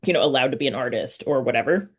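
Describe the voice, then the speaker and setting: A woman's voice: a bass voice, very fast. A woman interviewer chatting casually and informally as she puts questions to her guest. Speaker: interviewer, host.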